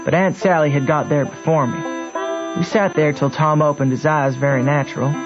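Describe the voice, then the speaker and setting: A man's voice: on the high side, steady tone, brisk, dull audio, over music, close to an everyday voice. A man playing a plainspoken, unschooled Southern boy telling his story in a radio drama. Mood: folksy, wry. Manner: folksy, storytelling.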